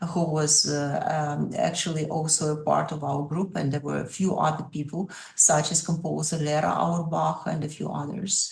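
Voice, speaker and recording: Amid noticeable background noise and audible room echo, a woman speaks at a moderate pace with hardly any pauses. Her pitch is very deep and low, and her intonation fairly even. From Russia (Soviet Union, Komi family, Kola Peninsula). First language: Russian. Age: 60s. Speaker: artist. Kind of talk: interview.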